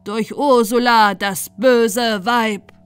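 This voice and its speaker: A woman's voice: fairly high pitch, steady tone, extremely slow, clear, resonant tone, no room sound. Emphatic grim chanting servant, done by a woman. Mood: grim accusation. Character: accusing band of servants chanting grimly. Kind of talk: fairy-tale storybook chant. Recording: music bed under the voice.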